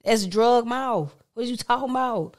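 A woman's voice: on the high side, normal speed. A woman hosting a casual podcast chat, blunt and teasing, laughing often between remarks. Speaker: podcast host.

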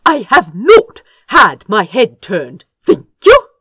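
Woman voicing an earnest, indignant young prince, animated pitch. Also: takes it slowly, dry recording, clean studio sound. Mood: sharply irritated. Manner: firm, precise, emphatic speech. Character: young man, earnest, indignant prince defying his brother. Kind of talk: dramatic audiobook character dialogue.

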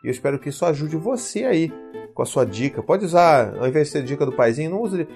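A man's voice: on the high side, animated, fast, darkish tone, faint music behind. A man speaking in a casual advice vlog, telling a story with animation and acting out his own dialogue. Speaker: parent vlogger.

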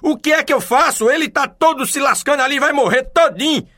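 A man voicing a flustered waiter rushing to report to his manager. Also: extremely high pitch, pushed and bright, no room sound, studio quality, pitched above the performer's own voice. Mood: panicked. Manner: breathless, alarmed. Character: flustered male restaurant waiter.

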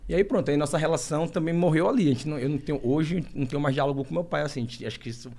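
A young man from Brazil, a guest in an interview, telling a personal story in an emotional, halting way with many restarts. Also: a little high, darkish tone.

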